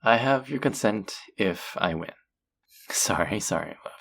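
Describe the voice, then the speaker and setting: A voice actor playing a flirty, possessive demon casino dealer in an intimate audio roleplay, teasing and taunting in a low, husky, breathy voice. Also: lively intonation, fairly bright tone, heavily acted. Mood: flirty, eager. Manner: teasing, taunting, slow and drawn-out.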